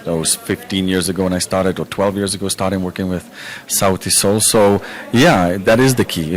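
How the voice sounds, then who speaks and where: Low-voiced man, relaxed and thoughtful. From Czech Republic. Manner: relaxed, thoughtful, many fillers. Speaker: music manager, interview guest. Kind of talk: casual interview answers.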